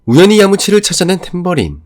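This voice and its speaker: A man's voice: high voice, huge pitch swings, fast talker, heavy background noise. A man giving scripted narration for an anime story recap.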